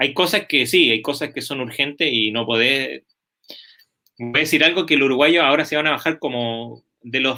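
In a Chilean accent, a man with a fairly high pitch and vocal fry talks at a moderate pace with ordinary pitch variation. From Chile, Coquimbo. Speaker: pastor. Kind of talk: casual chat.

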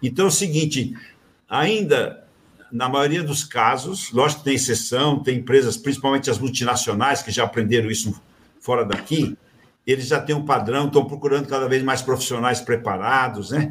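This man speaks at a moderate pace with a medium pitch. His voice is somewhat breathy, with ordinary pitch variation. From Brazil, interior of São Paulo state. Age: 70s. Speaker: packaging designer and marketing consultant. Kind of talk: interview with slide presentation.

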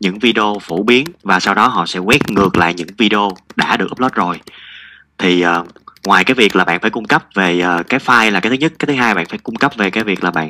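A man's fairly low, bright and sharp voice at a very fast pace, with ordinary pitch variation. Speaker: systems team staff at a creator network. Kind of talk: online workshop presentation. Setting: online workshop with screen sharing.

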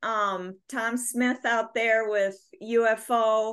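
In an Upper Midwest accent, a woman with a high voice speaks very slowly against a quiet background. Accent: Upper Midwest (Minnesota). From Minnesota, Bayport near Stillwater. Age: 60s. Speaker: punk rock singer. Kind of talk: casual interview.

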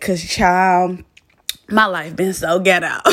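Speaking at a medium pitch, a woman sounds animated. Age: 30s. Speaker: podcaster. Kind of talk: casual solo podcast intro. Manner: animated, casual.

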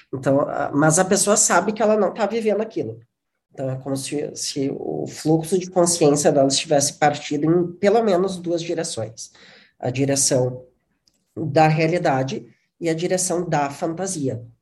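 A man speaks in an unremarkable speaking voice, fairly high in pitch, at a moderate pace with ordinary pitch variation. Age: 30s. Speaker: psychologist and researcher. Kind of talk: interview.

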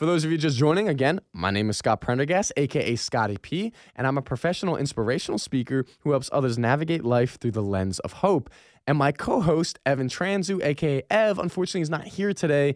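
With a normal speaking voice, a man talks at a fairly quick pace, fairly high in pitch and lively in intonation, in a dry, close sound with no echo. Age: 20s. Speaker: radio host and motivational speaker. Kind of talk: radio show monologue.

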